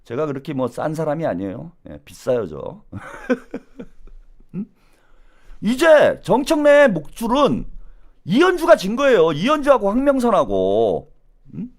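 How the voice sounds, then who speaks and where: A middle-aged man hosting a live political commentary stream, animated and taunting, who keeps tagging his lines with "eh?". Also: high-pitched, measured pace, long pauses. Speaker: political commentary channel host.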